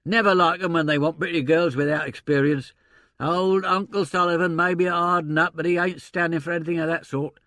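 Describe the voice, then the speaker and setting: A man's voice: on the high side, fairly even intonation, brisk, sharp tone, no room sound, clean studio sound, voice pushed up. A man voicing a blunt, talkative older theatrical agent who speaks in a colloquial, opinionated way. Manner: colloquial, drops grammar, chuckles, opinionated. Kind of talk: audiobook character reading.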